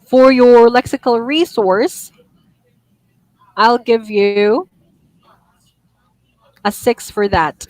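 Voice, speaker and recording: A woman gives one-on-one IELTS feedback over a video call, her voice on the higher side. She corrects gently, laughs easily and apologizes for her own slips. The sound is dry and close to the mic. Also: extremely slow, pauses often, no echo, poor audio. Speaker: IELTS speaking teacher. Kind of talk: online one-on-one lesson feedback.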